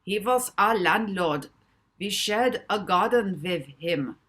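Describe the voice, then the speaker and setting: A woman reading the part of a hypnotized, scruffy grown man who answers in a flat, obedient, plaintive way. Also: mid-range voice, slow. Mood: meek. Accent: German, put on.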